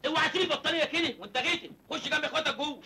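A man's voice: very high-pitched, expressive, bright, forceful tone, exaggerated voice. An actor playing a naive, cheeky rural young man with an Egyptian accent in a film comedy. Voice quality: cheeky, quick-witted banter.

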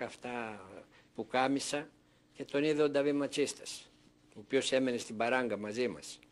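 In this oral history interview, an older man from Thessaloniki with a mid-range voice shares his life story. He performs the conversations he recalls as he narrates.

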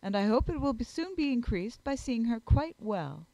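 An amiable young gentleman from a period storybook, played by a woman narrator. He is earnest, modest and courteous, with an animated rise and fall to his speech and a dry, close sound. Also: a little high, moderate pace, no echo, muffled recording. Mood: kindly.

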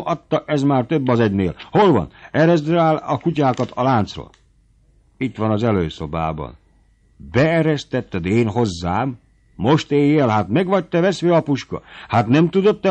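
A man voicing an irascible old country squire who barks orders in shouting tirades. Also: mid-range voice, voice pushed up, close to an everyday voice. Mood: furious. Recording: dull lo-fi audiobook recording.

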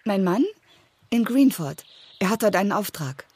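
Anxious, breathy village wife. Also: female voice, mid-range voice, lively intonation, normal speed, a little mellow, no room sound. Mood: anxious, evasive. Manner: hesitant, pleading. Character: anxious, distressed village wife, loyal and timid. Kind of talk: German radio play acting.

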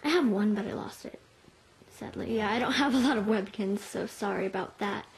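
A woman's voice: medium pitch, fairly quick, creaky, breathy edge, rough recording. A young girl giving a casual, apologetic intro to her voice audition, hesitating with lots of fillers, recorded on a computer sound recorder. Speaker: voice-over auditioner.

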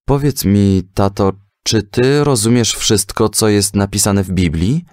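A man's voice: on the low side, unhurried, a little mellow, no room sound, clean studio sound, pitched above the performer's own voice, close to an everyday voice. A man voicing an earnest, bold young son who asks probing questions in a children's audio story. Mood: curious.

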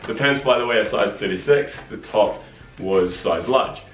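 Low-ish voiced guy in his 30s doing a chill clothing review, roomy echo, fillers everywhere. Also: normal speed, faint music behind. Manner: chatty, relaxed, many fillers. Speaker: vlogger. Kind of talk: casual product review. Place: living room indoors. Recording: echoey room.

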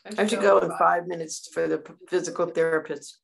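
Middle-aged woman, lowish voice with gravelly fry, relaxed and soft-spoken participant. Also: a little fast, low-quality recording. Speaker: class participant. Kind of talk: casual chat.

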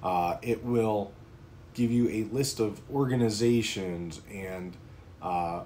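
A man in his thirties talks straight to camera about his interest in casual vlog style, his voice sitting on the lower side. He drifts through fillers and restarts in an easygoing, unscripted way. The recording is from a small home office with a faint hiss of room noise behind him. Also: slow, a little mellow. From Pennsylvania, United States. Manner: informal, conversational, frequent ums and uhs. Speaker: prepping channel host. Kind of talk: casual talking-head vlog.

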